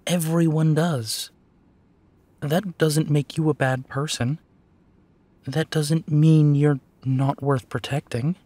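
Werewolf detective, male voice actor, audio roleplay: protective, tender, unhurried delivery, dry intimate sound. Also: a little high, fairly even intonation, no room sound. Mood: tender, reassuring. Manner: slow, soft, reassuring, with pauses and sighs. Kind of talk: intimate second-person audio drama roleplay.

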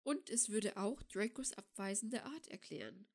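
Woman, audiobook narrator, calm steady reading, middle pitch. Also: a little slow, no room sound, studio quality. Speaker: audiobook reader. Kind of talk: fan fiction audiobook narration.

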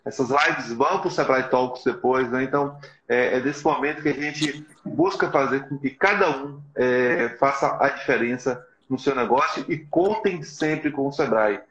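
A middle-aged man hosts a motivational live webinar for a business support agency, speaking earnestly and exhorting his audience, often tacking on tag questions. His voice is medium-pitched, a bit bright and moderately paced, with a little hiss or hum. He's in a small, plain indoor room on a video call with the device in front of him, and the audio sounds echoey and slightly dull.

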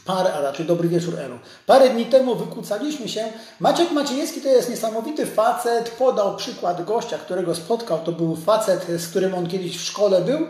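A doctor in his sixties hosts a live stream, talking informally and conversationally to viewers in a high, slightly mellow voice with lively intonation. He speaks fairly quickly with few pauses, and the large, empty, hard-surfaced dental office gives a strong echo.

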